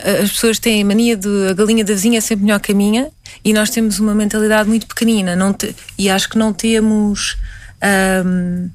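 A Portuguese woman with a European Portuguese accent and a mid-range voice answers interview questions about her painting, speaking reflectively and often restarting her sentences.

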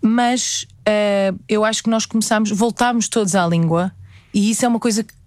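A woman's voice: medium pitch, moderate pace, no room sound. A woman singer with a European Portuguese accent, chatting casually and thinking aloud. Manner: lively, thinks aloud with fillers. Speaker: singer, guest. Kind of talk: casual conversation.

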